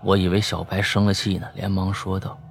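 A man narrating a spooky story, lively, breaking off for offhand asides. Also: sits low, fairly quick, gravelly, breathy edge.

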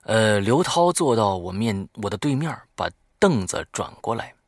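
A man's voice: fairly low pitch, very animated, normal speed, dry recording, studio quality. A man in his thirties telling a spooky first-person ghost story, dropping to a whisper at tense moments. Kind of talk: spoken ghost story narration.

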